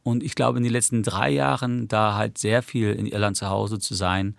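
Man, low voice, gravelly fry, reflective rambling, native English speaker, dry studio mic. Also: level tone, moderate pace, no echo. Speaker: musician guest. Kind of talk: radio interview.

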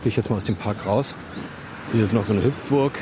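A man's voice: lowish voice, fairly quick, a loud crowd. A young man reporting outdoors in a park, chatting directly with the people he interviews. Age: young adult. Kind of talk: casual street interviews.

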